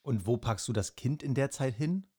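Self-mocking young dad, rambling. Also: male voice, medium pitch, moderate pace, mellow, husky. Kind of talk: casual chat. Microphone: headphones on, studio-style mic.

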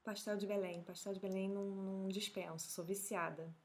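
A woman's voice: mid-range voice, steady tone, a little fast. A woman in her thirties with a Brazilian accent, chatting as an interview guest, telling stories animatedly and laughing often. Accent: Brazilian Portuguese. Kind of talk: casual chat.

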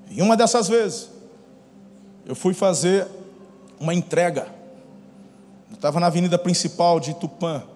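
A man with a Brazilian Portuguese accent, a pastor telling lively stories in a sermon, acting out scenes with shouts and laughter. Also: sits high. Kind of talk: storytelling sermon. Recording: long hall reverb, faint noise.

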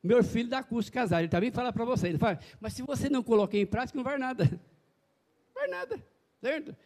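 High-voiced preaching man. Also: rapid-fire. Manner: folksy, animated preaching with calls to the congregation. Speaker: pastor. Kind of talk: evangelical sermon.

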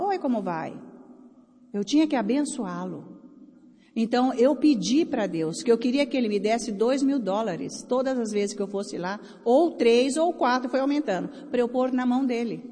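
A woman's voice: on the high side, mellow. A Brazilian woman preaching a sermon to a conference crowd, blunt and exhorting. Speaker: preacher raising offerings at a conference. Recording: long hall reverb.

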